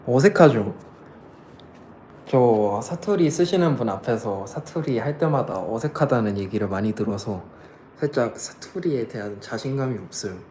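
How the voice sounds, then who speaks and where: A man's voice: medium pitch, lively intonation, normal speed, darkish tone, slight background noise. A young man casually chatting with fans on a livestream, laughing often and answering comments. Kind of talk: casual live chat reading comments.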